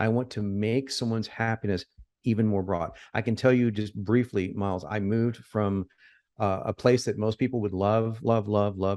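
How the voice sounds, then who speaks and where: He is a man with a fairly low pitch and a dark, mellow tone. His pace is fairly quick. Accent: Texan. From Texas. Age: 50s. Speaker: copywriter. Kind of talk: casual interview chat. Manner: animated.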